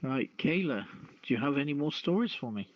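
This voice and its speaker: A man's voice: medium pitch, animated, fairly quick, no room sound. A man hosting a casual radio quiz as the quizmaster. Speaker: show host and quizmaster. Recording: dry, dull lo-fi stream audio.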